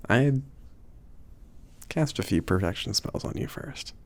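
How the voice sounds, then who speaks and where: A man playing a laid-back, gently teasing mage who runs a potion shop, speaking softly and hesitantly in an intimate ASMR roleplay, with a creaky, sometimes breathy voice. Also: mid-range voice, animated, unhurried. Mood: playful. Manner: hesitant, murmured, reassuring, chuckling. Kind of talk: ASMR roleplay, intimate one-sided conversation.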